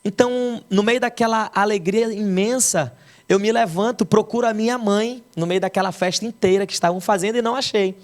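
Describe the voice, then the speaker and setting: A man's voice: high voice, a little fast. A young adult man from Brazil, a pastor, telling the emotional story of his conversion as a testimony.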